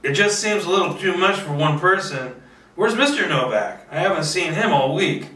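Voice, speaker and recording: A man's voice: on the high side, animated, moderate pace, sharp tone, voice pushed up. Casting: male reader as earnest young policeman, respectful, lifted voice, table read in roomy space. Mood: friendly, helpful. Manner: courteous, earnest. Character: polite, concerned policeman aged twenty-seven, respectful neighbor. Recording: roomy, distant microphone.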